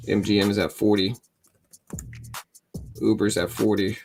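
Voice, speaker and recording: Deep, gravelly man chatting casually. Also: little pitch movement, a little slow, darkish tone, soft background music. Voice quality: raspy; deep morning voice. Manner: joking, self-deprecating, rambling. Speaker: livestream host. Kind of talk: casual live trading commentary to chat.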